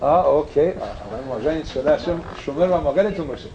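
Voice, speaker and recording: A man's voice: fairly high pitch, lively intonation, warm tone, lo-fi sound. Man teaching a casual Torah class. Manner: mixes English phrases into speech, asks the class questions. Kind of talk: casual religious lesson.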